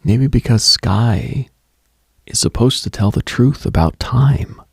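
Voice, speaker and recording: A man hosting late-night radio with a brooding, deliberate scripted monologue in a hushed, husky, gravelly voice. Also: medium pitch, expressive, no room sound, studio quality.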